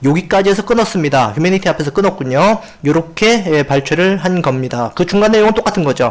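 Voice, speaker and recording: A man's high-pitched, very fast speech with lively intonation and very even loudness. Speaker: Korean language teacher, exam prep instructor. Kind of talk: lecture. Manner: halting, many fillers.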